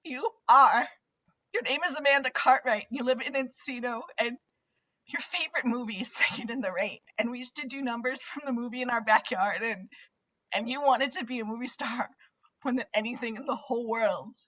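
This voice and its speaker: An actress reads as a young horror-movie daughter, fiercely emotional and pleading. Her high voice is bright and urgent, tripping over repeated words. The sound is dry and slightly dull, like a video call. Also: normal speed, dry recording. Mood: desperate pleading. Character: Max, desperate young woman pleading with her dying mother, fiercely emotional. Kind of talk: table read acting of a horror film script.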